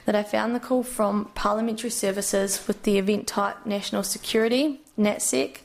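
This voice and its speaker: A woman, a police dispatcher giving measured, matter-of-fact courtroom testimony. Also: medium pitch, steady tone, vocal fry.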